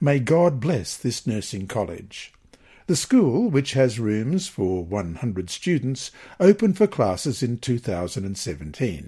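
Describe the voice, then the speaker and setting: On a very clean recording with a silent background, a man speaks fairly slowly in a somewhat breathy voice of medium pitch, dark and mellow in tone, with very wide pitch swings. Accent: Australian. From Australia. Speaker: narrator reading a Bible study guide. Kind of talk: reading aloud. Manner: formal.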